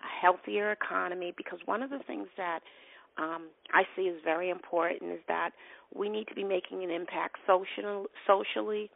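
A woman's voice: lowish voice, steady tone, moderate pace, vocal fry, no room sound. A middle-aged woman from Boston with a Boston accent, an earnest nonprofit leader answering interview questions, repeating and restarting her phrases as she speaks. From Boston, USA. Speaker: nonprofit president, guest. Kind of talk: interview conversation. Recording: tinny phone-like line.

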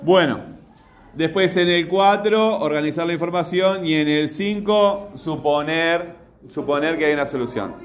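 Patient male teacher. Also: a little high. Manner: patient, asks the class repeatedly. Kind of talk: classroom lecture with questions.

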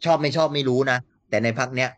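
A man talking politics in a casual chat, animated and laughing often. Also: medium pitch, fast talker, no echo, muffled recording. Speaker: political commentator.

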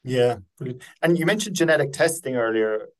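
A man's voice: mid-range voice, lively intonation, a little fast. A man hosting a conversational podcast interview in a polite, appreciative manner.

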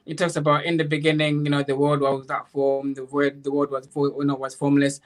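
A man's voice: on the high side, completely flat delivery, a little fast. A man in an informal spiritual discussion, explaining earnestly in a rambling way, repeating phrases and checking that he is understood. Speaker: guest, author.

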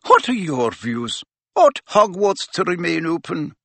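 A man voicing a stern older woman headmistress who speaks in a brisk, clipped and authoritative way. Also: fairly high pitch, sing-song, gravelly, bright, forceful tone, no room sound, pitched above the performer's own voice, full character voice.

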